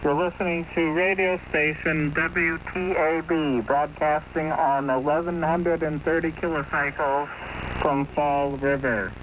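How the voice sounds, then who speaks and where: Male actor as vintage radio station announcer: courteous, formal, measured, through a narrow, very noisy shortwave signal. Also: fairly high pitch, steady tone. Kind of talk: old-time 1920s radio announcing.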